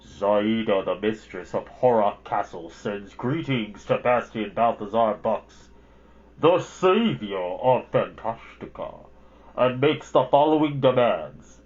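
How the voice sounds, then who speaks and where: A man voicing a cold armored giant messenger with a metallic voice, delivering a slow, formal proclamation. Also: on the low side, lively intonation, a little mellow, lo-fi sound, voice pushed down.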